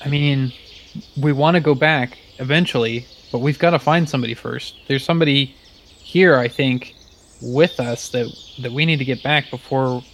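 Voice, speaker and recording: A man player answers in halting bursts, restarting his words. His voice sits mid-range. There is faint noise behind him. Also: medium pitch. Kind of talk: casual tabletop chat.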